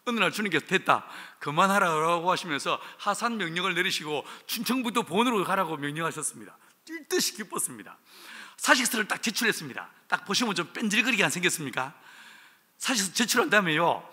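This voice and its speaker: A male pastor with a Gyeongsang accent preaching a revival sermon, telling stories with animated humor. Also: high voice, husky. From Jinju, South Korea. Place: church sanctuary. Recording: reverberant church hall.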